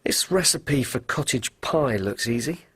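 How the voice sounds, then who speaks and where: Man, husky voice, lively pitch, upbeat, scripted textbook dialogue. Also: measured pace, no echo.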